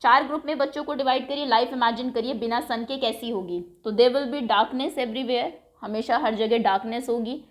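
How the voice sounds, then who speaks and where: A woman teacher explaining an English lesson for young pupils, reading English lines slowly and then explaining them patiently in Hindi, repeating words aloud. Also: fairly high pitch.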